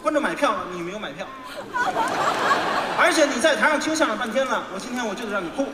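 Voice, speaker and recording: A man's voice: extremely high pitch, animated, fast, far from the mic, over a noisy crowd, very noisy. A man doing live crosstalk comedy on stage, coaxing and teasing his partner with playful banter. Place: large theater stage. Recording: echoey hall, loud live audience.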